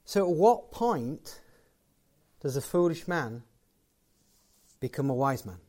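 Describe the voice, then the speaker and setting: A man's voice: fairly high pitch, lively intonation, takes it slowly, mellow. A man giving a closing sermon and prayer to a live gathering, conversational and building to emphatic points. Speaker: guest preacher.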